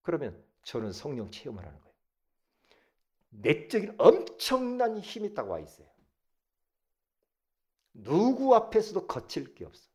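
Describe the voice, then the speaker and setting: A male pastor preaching a sermon, leading the congregation to repeat after him and swinging from quiet asides to loud exclamations. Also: a little high, measured pace, pauses often. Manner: lively, swings between soft asides and shouted exclamations; leads the congregation in call-and-response.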